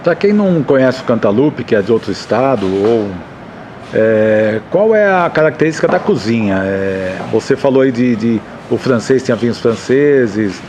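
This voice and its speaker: Man, Brazilian accent, interviewer, very varied pitch, conversational questions, faint ambient noise. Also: expressive, moderate pace, a little mellow. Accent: Brazilian Portuguese.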